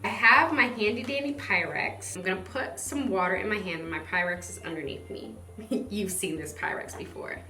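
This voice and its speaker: A woman from the southern US reviews products in a casual, playful chat. Her voice is bright and crisp-edged, with a bubbly manner. It is recorded in a roomy home space with faint music behind her. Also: mid-range voice, moderate pace. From southern United States. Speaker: skincare vlogger and product reviewer.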